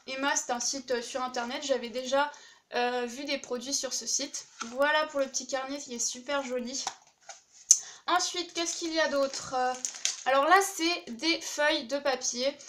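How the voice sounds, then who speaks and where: A woman's voice: high voice, a bit bright, slight background noise. A young woman chatting casually and enthusiastically as she unboxes craft supplies, with many fillers. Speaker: craft YouTuber opening a swap package.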